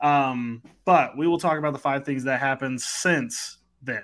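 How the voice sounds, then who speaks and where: Over a very clean recording with a silent background, a man with a normal speaking voice talks at a fairly slow pace, fairly high in pitch and with fairly even intonation. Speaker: podcast host. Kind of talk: casual chat.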